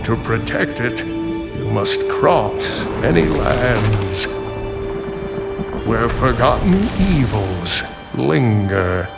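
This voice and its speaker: A man acting as a grave, noble guardian narrating a game cinematic, gravelly and portentous. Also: mid-range voice, expressive, extremely slow, heavily acted. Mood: solemn resolve. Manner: solemn, portentous. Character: grave, noble male guardian summoning heroes. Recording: loud music behind. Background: cinematic game music.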